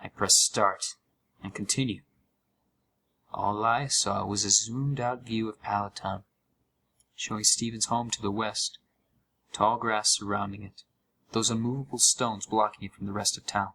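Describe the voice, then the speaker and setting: A man playing a haunted gamer, narrating a scripted horror story with deliberate, dramatic pauses full of dread. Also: fairly low pitch, steady tone, pushed and bright, full character voice, rough recording. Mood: stunned dread.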